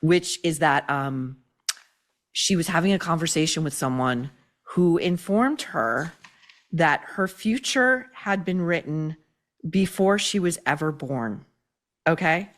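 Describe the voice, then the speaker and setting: A woman's voice: low-pitched, animated, slow. A woman giving opinionated commentary in a sarcastic, profane manner.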